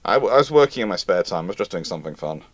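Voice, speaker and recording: A man talks through viewer questions on a live stream in a loose, conversational way. He is animated and emphatic and laughs easily, and his voice sits dry and close to the mic with little room sound. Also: low voice, very fast, dry recording. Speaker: host of a live history Q&A. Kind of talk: casual live-stream chat.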